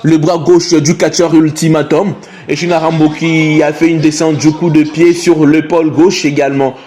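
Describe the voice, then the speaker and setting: Congolese man calling wrestling, higher-pitched voice. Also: flat delivery, normal speed, dark tone. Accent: Congolese French. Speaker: wrestling commentator. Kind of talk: live play-by-play commentary of a wrestling match.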